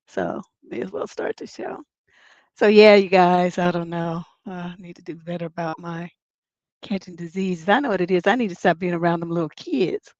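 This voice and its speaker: Woman, hoarse, relationship advice host, rambling self-mocking chat, dull dry sound. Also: fairly low pitch, moderate pace, darkish tone, dry recording. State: hoarse from a cold. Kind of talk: casual livestream advice chat.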